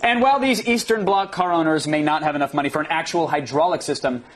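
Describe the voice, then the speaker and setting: A man co-hosting a TV show, trading playful jokes with deadpan asides. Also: fairly high pitch, quick pace. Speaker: TV show co-host. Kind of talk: joking studio banter. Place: TV studio with audience.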